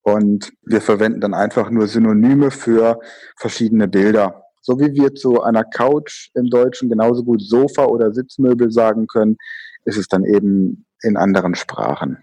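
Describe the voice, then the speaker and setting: A native German-speaking man, a guest on an interview podcast, explaining fluently in a relaxed way. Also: fairly low pitch, normal speed, slightly rough, no echo. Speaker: guest, learning expert. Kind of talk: conversational interview.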